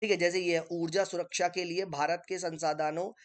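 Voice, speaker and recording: A man's voice: sits high, level tone, moderate pace. A man teaching an informal online exam-prep lesson, explaining step by step while writing on screen and checking in with listeners. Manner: chatty, keeps checking in with listeners.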